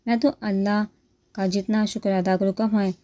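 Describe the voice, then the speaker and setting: A woman's voice: medium pitch, flat delivery, dark tone, lightly acted. A woman voicing a humble, thankful middle-aged father in a storybook reading.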